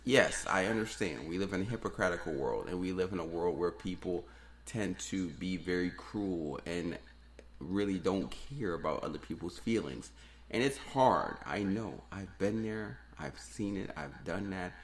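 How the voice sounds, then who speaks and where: A man's voice: sits low, moderate pace. A man who grew up in New Orleans, hosting a solo podcast and ranting earnestly, with repeated phrases for emphasis. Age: adult, has daughters. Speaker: podcast host.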